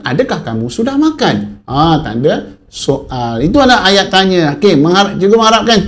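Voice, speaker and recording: A man with a high voice and a Malaysian Malay accent teaches an online class to young pupils. He is animated, asks the children questions and answers for them, and keeps the lesson moving. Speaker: primary school teacher.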